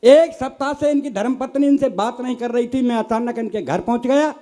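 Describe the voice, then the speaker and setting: A man's voice: very high voice, fairly quick, warm tone. An older man, a comic poet telling teasing folksy stories on stage. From Bharatpur district, Rajasthan. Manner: folksy, teasing storyteller, addresses audience as sahib. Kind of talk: stand-up comic poetry recital. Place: live poets' gathering stage.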